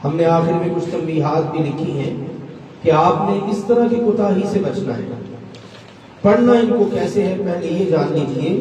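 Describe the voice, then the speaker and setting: Male teacher, slow and patient, chanting sounds, far off in an echoey hall with faint noise. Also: high voice, mellow. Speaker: Quran recitation teacher. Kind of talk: tajweed lesson. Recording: roomy hall echo, distant mic, faint noise.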